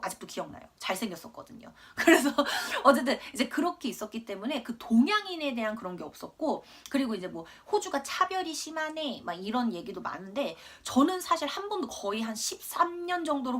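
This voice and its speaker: A Korean-born woman in her twenties who was raised in Australia works as an English tutor and tells a rambling, self-mocking story in a lesson video. Her voice is fairly high and fairly bright, and she's chatty, laughing at herself as she goes.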